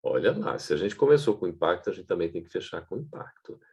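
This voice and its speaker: A man giving an online training lecture on public speaking to camera, in a lively teaching tone with frequent checking asides. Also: low-pitched, quick pace, creaky, breathy edge.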